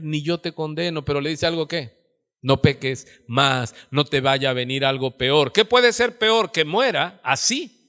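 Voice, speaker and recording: A Mexican man preaches a sermon to his church. His voice sits high and rings brightly. He keeps checking in with the congregation and moves from loud outbursts to quiet asides. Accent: Mexican Spanish. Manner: preaching with call-outs to the congregation; swings between loud exclamations and low hushed asides. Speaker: pastor.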